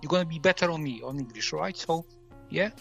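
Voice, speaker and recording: A man with a Polish accent argues with his friends, swearing, insisting and repeating himself. His voice sits a little high and sounds gravelly. Faint music plays behind him. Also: expressive, fairly quick, fairly bright tone. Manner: heavy swearing, insistent and repetitive. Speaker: friend in a group chat. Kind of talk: casual banter among friends.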